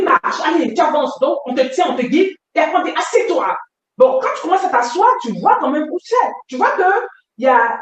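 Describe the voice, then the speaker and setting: A woman giving an emotional personal testimony, retelling events vividly and intensely. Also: high-pitched. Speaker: testimony giver. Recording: echoey room, distant mic.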